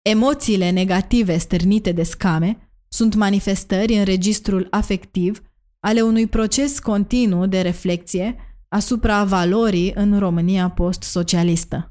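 A woman narrating an academic essay in a measured, even delivery. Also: mid-range voice. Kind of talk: reading an academic essay aloud.

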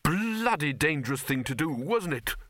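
A man plays a gruff old wizard in charge in a comic fantasy storybook. He is bossy and brusque, barking in clipped phrases. The voice rides high and forceful, with big swings in pitch. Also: big pitch swings, moderate pace, no echo, clean studio sound. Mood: irritated, scolding. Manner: blunt, clipped, brusque, hectoring. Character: gruff, blustering, bossy old male wizard Arch-Chancellor.

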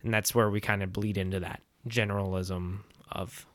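A young man from the United States chats in a joking, sarcastic way and laughs through his points. His voice sits low. The sound is dry and close, with no room around it. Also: steady tone, normal speed, a bit bright, no echo. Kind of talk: casual chat.

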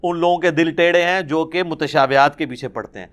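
Pakistani male religious teacher, middle-aged, fairly high voice, lively explaining, slow careful recitation. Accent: Pakistani Urdu. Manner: animated explaining, slow measured recitation of Arabic verses. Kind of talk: Quran commentary lecture.

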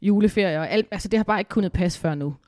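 A woman's voice: medium pitch, darkish tone, no echo, clean studio sound. A woman co-hosting a podcast in casual chat, upbeat and rambling with fillers, with a cold, at home in a living room. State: has a cold. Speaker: podcast co-host.

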